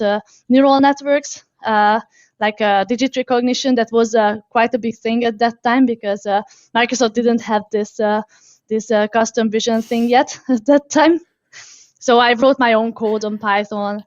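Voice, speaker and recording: Originally from Hungary, a woman in her thirties shares her story as a guest in a casual interview, her voice sitting a bit high. She's hesitant, stumbling through fillers and restarts and laughing often. The audio is dry and somewhat dull, with no room sound.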